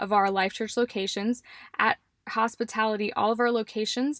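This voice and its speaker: A woman's fairly high-pitched voice, dry and close with no echo, in a very clean recording with a silent background. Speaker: church volunteer team leader. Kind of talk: team briefing video message. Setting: in a car. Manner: loud; fast.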